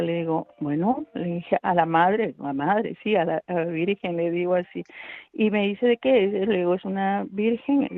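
A woman's voice: fairly low pitch, dry recording. A middle-aged woman tells her story on a tinny phone line with no room sound at all. She talks with feeling and acts out the people she quotes. She calls herself a nervous, anxious person. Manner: self-described nervous, anxious speaker. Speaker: radio volunteer guest. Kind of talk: telling a personal story on a radio call. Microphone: telephone.

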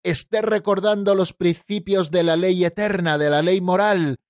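A man's voice: high voice, fairly even intonation, moderate pace, no room sound, studio quality. A man hosting a Catholic radio program, teaching the catechism in an earnest, didactic way and speaking straight to his listeners.

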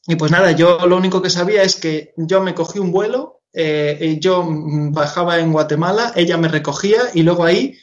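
A man's voice: a little high, moderate pace, hardly any pauses, dull audio. Earnest young Madrid man, hesitant. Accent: Madrid Spanish. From Madrid, Spain. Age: 20s. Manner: hesitant, repeats and restarts words, earnest. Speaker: guest singer-songwriter. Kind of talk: radio interview.

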